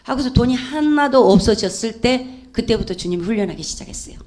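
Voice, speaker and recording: A middle-aged woman preacher giving an emotional church testimony, swinging from loud urging to hushed storytelling. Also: on the high side, animated, a little fast.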